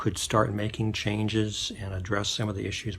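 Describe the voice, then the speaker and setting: A man's fairly low-pitched voice, monotone and flat, at a moderate pace. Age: 60s. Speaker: vlogger sharing political story. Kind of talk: personal testimony. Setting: self-recorded video. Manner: halting, many fillers.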